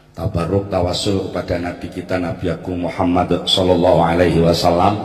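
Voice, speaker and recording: Over noticeable background noise and audible room echo, a man with a very deep, low voice talks at a fairly quick pace in a flat monotone. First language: Javanese (speaking Indonesian). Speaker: Islamic cleric. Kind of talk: religious lecture. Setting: religious gathering with audience.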